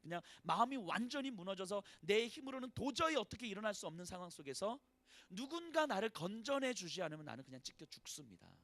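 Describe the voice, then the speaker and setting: A male pastor preaching at a church service, swinging between loud pleading and hushed, sorrowful lament, often speaking prayers of complaint in the first person. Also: sits high, sing-song, fast talker, dry recording. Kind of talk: sermon.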